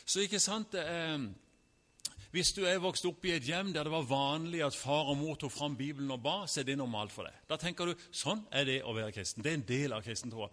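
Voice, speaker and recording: A man's voice: a little high, fairly bright tone. Man preaching in a reverberant church hall. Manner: casual and personal, with frequent fillers and restarts. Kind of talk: sermon.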